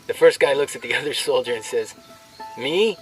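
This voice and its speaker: A man's voice: mid-range voice, expressive, recorded from a distance, faint music behind, close to an everyday voice, rough recording. Man playing a brash joke-telling soldier, off-mic. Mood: cocky, joking. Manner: crude, swaggering, drawn-out punchline delivery. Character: brash, crude male army soldier cracking off-duty jokes. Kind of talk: military banter, performed joke storytelling.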